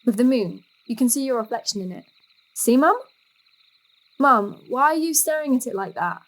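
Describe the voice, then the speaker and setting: An actress playing an inquisitive, slightly impatient teenage daughter with a plain-spoken, questioning manner in an audio drama. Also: female voice, on the high side, expressive, moderate pace, lightly acted, poor audio. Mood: restless.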